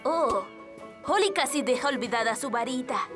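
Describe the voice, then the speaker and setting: A woman's voice: sits high, animated, normal speed, over music. A woman voicing a kindly elf mother in a Latin American Spanish cartoon dub. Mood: caring. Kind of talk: children's cartoon dub acting.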